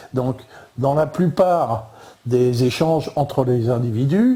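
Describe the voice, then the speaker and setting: A dark, mellow, somewhat breathy voice with a Parisian accent and ordinary pitch variation. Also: man. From France, Paris. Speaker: lecturer. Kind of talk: lecture. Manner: halting, many fillers and repetitions.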